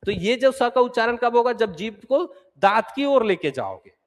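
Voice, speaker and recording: Man, teacher, exam-prep lecture, repeats sounds aloud, high pitch, long reverb. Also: lively intonation, moderate pace. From Chhattisgarh, India. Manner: explains step by step, repeats sounds aloud to drill them.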